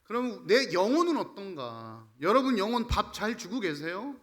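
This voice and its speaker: A man's voice: high-pitched, sing-song, normal speed. A man, a pastor, preaching a sermon in a conversational style that rises to emphatic exhortation.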